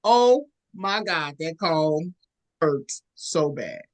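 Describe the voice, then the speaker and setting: A woman co-hosting a podcast, telling a story casually and acting out quoted lines in a high squeaky voice. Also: lively intonation, very slow. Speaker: podcast co-host.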